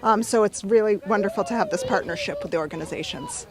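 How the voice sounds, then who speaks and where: A woman's voice: mid-range voice, huge pitch swings, fast. A woman giving an informal on-location interview, explaining a community event. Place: outdoors by parked trucks.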